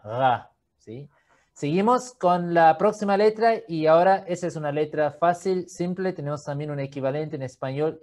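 A man teaching an online lesson, patiently demonstrating sounds and often checking in with a quick question. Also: on the high side, a little mellow. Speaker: Quran reading teacher.

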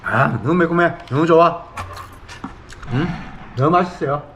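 A man's voice: a little high, normal speed, a bit bright, a little hiss or hum. A middle-aged man from South Korea hosting a casual eating show, talking expressively as he savors his food, at times with his mouth full. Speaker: mukbang host.

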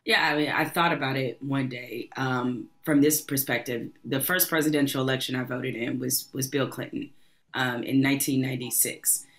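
Middle-aged host with a bright voice. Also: female voice, extremely low pitch, fairly even intonation. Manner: conversational, measured questions. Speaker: podcast host. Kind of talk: interview. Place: home room with bookshelves. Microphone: studio podcast mic close up.

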